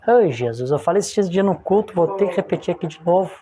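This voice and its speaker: A man from Rio do Sul, a pastor preaching a sermon in church with call-and-response. He keeps asking the congregation for agreement and grows loud and emphatic as he presses each point. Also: sits high, lively intonation, fast, a crowd in the background. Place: church service in front of a congregation.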